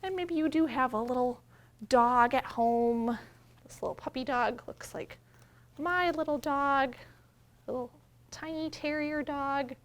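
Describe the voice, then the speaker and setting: Woman, children's librarian. High voice, simple child-directed talk, storytime read-aloud with drawn-out emphasis. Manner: simple explanations, questions and invitations addressed to young children.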